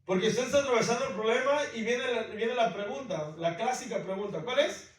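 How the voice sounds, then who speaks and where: A man's voice: very high-pitched, brisk, slight background noise. A man preaching a sermon with emphasis to his congregation in a church, calling out to them again and again. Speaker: pastor. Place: church in the United States. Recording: very echoey church hall, mic far off.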